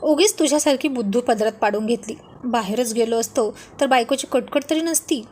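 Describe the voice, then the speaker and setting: A woman voicing a quick-tempered husband who grumbles and snaps at his wife. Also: on the high side, a little mellow, slight background noise, close to an everyday voice. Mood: irritated. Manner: grumbling, irritated.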